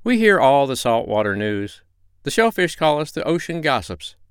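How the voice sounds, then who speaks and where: A man's voice: medium pitch, very animated, moderate pace, clear, resonant tone, no echo, clean studio sound, voice pushed up, lightly acted. A man voicing a friendly, gossipy school of porpoises in a storybook, in a raised, eager voice. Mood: chatty, sure.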